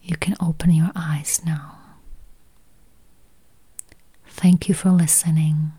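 A woman whispers through a guided meditation at a very slow, unhurried pace. Her low, breathy voice stays flat and even, and she lingers over each counted number and each repeated phrase. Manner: slow, soft, repetitive counting.

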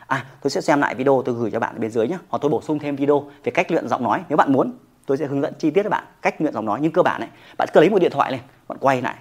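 Yoga trainer; motivational to-camera talk, fast delivery, emphatic. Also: mid-range voice. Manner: emphatic, with frequent rhetorical check-ins.

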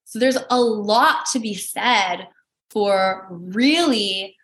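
A woman podcast host speaks in a bright voice at a middle pitch. She coaches in an earnest, encouraging way about personal and spiritual matters. The recording has a noticeable room echo. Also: extremely slow.

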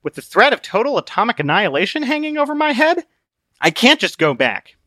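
Man voicing a frantic high-pitched young soldier. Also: big pitch swings, brisk, sharp tone, no echo, studio quality, heavily acted. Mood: pleading. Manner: strained, pleading, frantic. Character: desperate young male armored soldier.

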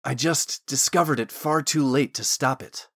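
A man's voice: medium pitch, normal speed, a bit bright, lightly acted. A man playing an earnest, desperate cursed man in a fantasy audiobook, pleading urgently in formal wording. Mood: earnest, defensive.

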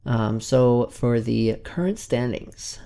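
A man's voice: medium pitch, takes it slowly, creaky, dark tone, clean tone. A man in his twenties hosting his own weekly self-improvement podcast, a little congested and recounting his week in an earnest, plain way. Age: 20s. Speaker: podcast host. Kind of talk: casual weekly self-recorded update.

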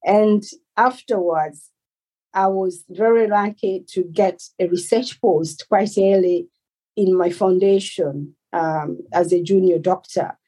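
A Malawian woman in her forties, a doctor answering interview questions in a measured, earnest way. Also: lowish voice, fairly even intonation, dark tone, breathy edge, rough recording. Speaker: guest, consultant doctor.

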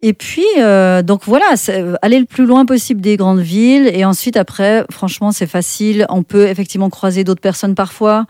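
A middle-aged woman with a Swiss French accent, chatting as a guest in an interview, full of fillers and restarts and quick to laugh. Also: mid-range voice, mellow, no room sound, studio quality. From Switzerland. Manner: chatty, many fillers and self-corrections, laughs often. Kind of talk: casual interview chat.

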